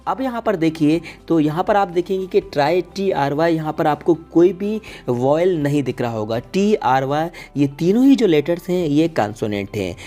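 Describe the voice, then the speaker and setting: Patient, mellow-voiced male teacher. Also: on the high side. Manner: patient, repeats each point and calls listeners "guys". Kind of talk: classroom-style video lesson.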